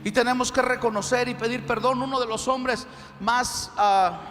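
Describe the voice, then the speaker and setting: Pastor que predica con énfasis, sala con reverberación y leve ruido de fondo. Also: male voice, very high voice, normal speed, a little hiss or hum. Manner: emphatic, animated storytelling. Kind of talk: sermon. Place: church.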